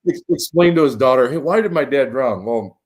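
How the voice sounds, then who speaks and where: A man from Michigan with a Michigan accent, guesting on a podcast and telling stories with lively acted-out quotes and frequent laughter. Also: mid-range voice, brisk, crowd noise. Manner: animated storyteller, acts out quotes, laughs often. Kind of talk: casual chat. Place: home studio.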